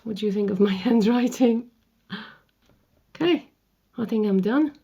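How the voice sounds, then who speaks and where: A woman with a slightly hoarse, croaky voice hosts a painting tutorial, chatting and thinking aloud as she works. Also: on the high side, a little slow, mellow. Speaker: art tutorial host. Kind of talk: casual painting tutorial narration.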